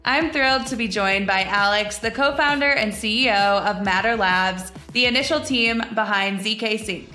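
A woman's voice: medium pitch, moderate pace, hardly any pauses, pushed and bright, roomy sound, faint music behind. A woman hosting a podcast, reading a polished introduction and asking interview questions in an upbeat way. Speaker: podcast host.

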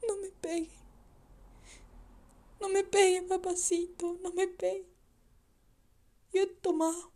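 A woman's voice: extremely high pitch, level tone, a little fast, dark tone. A woman voicing a young drunk son who pleads with his father through tears, in a dramatic poetry declamation. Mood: soft pleading. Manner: pleading, sobbing. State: crying.

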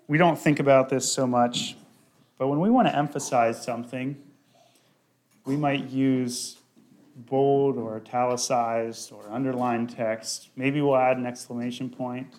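A man preaching a sermon, working through a Bible passage in a deliberate way and lifting his voice on quoted scripture. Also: medium pitch.

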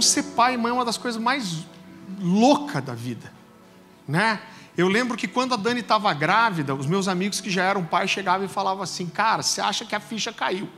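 A Brazilian man preaching a sermon in church, telling a personal story in a lively way and often calling the listeners "brother". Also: high voice. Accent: Brazilian Portuguese. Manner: animated storytelling, addresses listeners as "irmão". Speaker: pastor. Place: church service.

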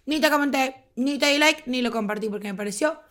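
A woman's voice: sits high, quick pace. A young woman from Venezuela with a Venezuelan Spanish accent, co-hosting a podcast in casual chat and telling stories with lots of emphatic slang. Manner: animated, emphatic storytelling with slang. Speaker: podcast co-host.

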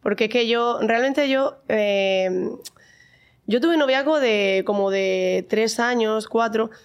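Higher-voiced Spanish woman in her thirties. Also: slow pace, clear, resonant tone. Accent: Spanish, from Spain. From Murcia, Spain. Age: 30s. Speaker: podcast guest, mother and influencer. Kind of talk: casual podcast chat.

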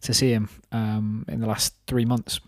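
A thirty-year-old podcast host and business owner chats casually, reflecting and rambling as he explains his own thinking. His low voice is flat and normally paced, captured in a dry, clean studio.

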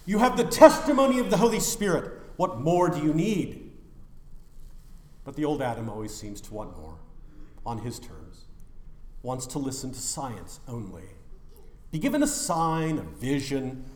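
A male pastor delivering an animated, emphatic sermon. His words swing between loud declarations and sudden quiet drops, with a roomy church echo around him. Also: fairly high pitch, measured pace.

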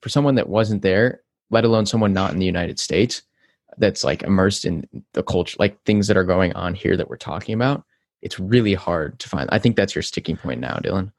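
A man chatting casually on a podcast in a relaxed way. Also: low-pitched, fairly quick, dry recording, clean studio sound.

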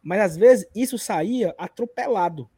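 High-voiced man, Ceará accent, occasional stutter, dry close sound, casual storytelling, live podcast host. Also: expressive, moderate pace, warm tone, breathy edge, no echo. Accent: Northeastern Brazilian, from Ceará.

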